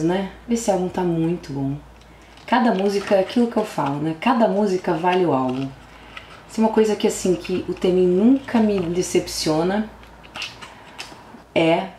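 Gushing Brazilian woman in a roomy space. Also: lowish voice. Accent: Brazilian Portuguese. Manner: gushing and exclamatory, slips into hushed whispers and sudden squeals. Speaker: vlogger. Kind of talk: album unboxing chat. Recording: roomy echo, faint background noise.

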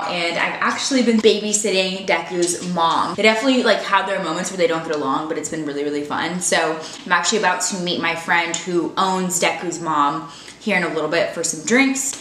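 A woman's voice: fairly low pitch, fairly bright tone, a little hiss or hum. Chatty young woman in an echoey room. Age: 20s. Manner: chatty, filler-heavy, upbeat. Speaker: vlogger. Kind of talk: casual vlog chat. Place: apartment room at home.

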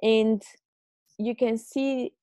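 A woman's voice: on the high side, steady tone, very slow, mellow, no room sound. A woman in her thirties from Italy with an Italian accent, earnestly giving casual advice to camera from her living room on an earphone mic. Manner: earnest, gestures a lot with her hands, non-native phrasing. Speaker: podcast host. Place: living room at home, on a sofa, indoors. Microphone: earphone headset mic.

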